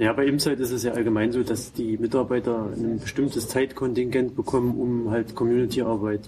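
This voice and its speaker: There is noticeable background noise behind this man. He speaks at a fairly quick pace with a medium pitch. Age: 30s. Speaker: podcast co-host. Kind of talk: casual chat. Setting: conference venue.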